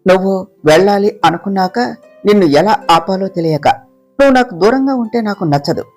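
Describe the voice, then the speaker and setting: A storyteller voicing a tender, anxious young husband in an audiobook romance, speaking softly and earnestly. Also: medium pitch, brisk, soft background music, close to an everyday voice.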